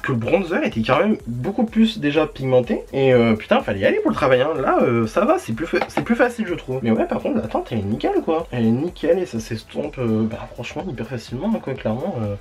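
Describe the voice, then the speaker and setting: A man's voice: a little high, very animated, quick pace, hardly any pauses. A man chatting casually through a makeup review at home, rambling with lots of fillers and slang and laughing at himself now and then. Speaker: beauty vlogger.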